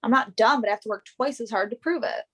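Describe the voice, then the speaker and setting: Young female model, acted by a woman, play reading: highish voice, earnest, self-assured, assertive. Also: fast talker, a bit bright, slightly rough. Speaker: actor in a virtual staged reading.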